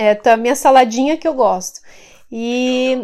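A woman speaks at a high pitch with ordinary variation in her pitch. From Rio Grande do Sul, Brazil (German-descended interior town). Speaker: spiritual teacher and therapist. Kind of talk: casual interview chat.

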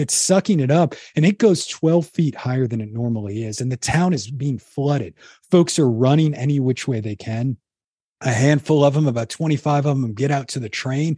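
At a moderate pace, a man speaks with a fairly high pitch, a dark, mellow tone, a somewhat breathy quality and ordinary pitch variation. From New Orleans. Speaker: podcast host and storyteller. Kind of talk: storytelling interview. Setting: video call.

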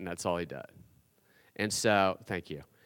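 Recorded very cleanly against a silent background, a man talks with a West Virginia accent. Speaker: guest preacher. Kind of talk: sermon.

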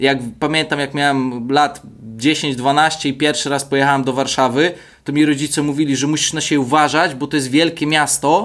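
A man's normal speaking voice, fairly high in pitch, at a fairly quick pace with fairly even intonation. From Poland. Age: 30s. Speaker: entrepreneur and social media marketer. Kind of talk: interview.

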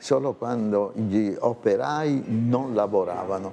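The man's voice sits fairly low with ordinary pitch variation. He talks at a very slow pace. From Sicily. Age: 70s. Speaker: veteran photographer. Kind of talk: interview.

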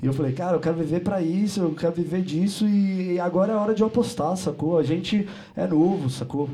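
A man's high-pitched voice, dark and mellow in tone, at a fairly quick pace, with ordinary pitch variation and very even loudness. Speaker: rock band member. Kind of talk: casual interview.

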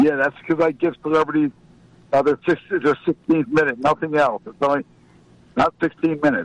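A plain, everyday voice from a man, fairly high in pitch with ordinary pitch variation, at a fairly quick pace, with a dry, close sound and no echo. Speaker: boxing event promoter. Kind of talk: casual chat. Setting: phone call.

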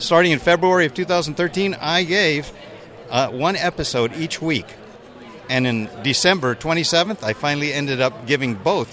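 A man's fairly high voice with ordinary pitch variation, amid noticeable background noise. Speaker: podcaster. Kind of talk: casual interview. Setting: live event.

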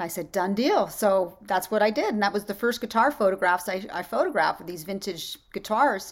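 This woman has a plain, everyday voice at a medium pitch, with ordinary pitch variation and hardly any pauses. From Canada. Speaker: photographer and author. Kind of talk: interview.

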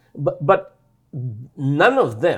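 A man talks with an Indian accent and a somewhat breathy voice. His pitch swings very widely. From India, Allahabad. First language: Hindi. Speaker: philosopher and author. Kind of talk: interview. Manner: halting, many fillers.

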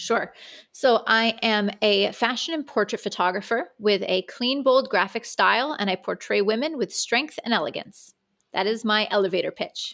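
A woman with a fairly high pitch and ordinary pitch variation speaks at a moderate pace in an animated tone on a very clean recording with a silent background. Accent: American. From upstate New York. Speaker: fashion photographer. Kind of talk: interview. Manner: animated, laughs often.

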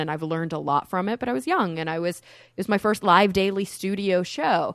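A woman's unremarkable speaking voice, fairly low in pitch, with ordinary pitch variation and a fairly quick pace. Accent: American. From Texas (Plano). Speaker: science communicator and podcaster. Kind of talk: casual interview chat. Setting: remote call.

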